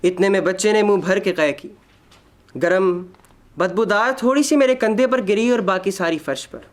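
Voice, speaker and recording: A man narrating a literary short story in an expressive, measured, dramatic reading style. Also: high-pitched.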